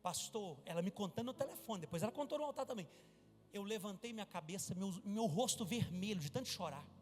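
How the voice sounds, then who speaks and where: High-voiced shouting preacher. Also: male voice, animated, a little fast, in a large hall, soft background music. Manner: storytelling with acted dialogue, bursts into shouting. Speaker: pastor. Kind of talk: sermon. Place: church service.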